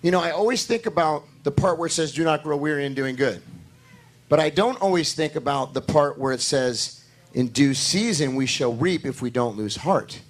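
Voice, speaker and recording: Hoarse male pastor, high-pitched, repetitive and emphatic preaching style. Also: expressive, normal speed. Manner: talks to the congregation directly, asking for amens. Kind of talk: sermon.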